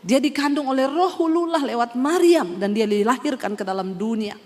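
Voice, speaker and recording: Woman pastor telling her life story at church, high voice, lots of hall echo. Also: normal speed, darkish tone. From Indonesia. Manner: emotional storytelling, acts out her parents' quoted lines. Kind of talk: sermon testimony. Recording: long hall reverb.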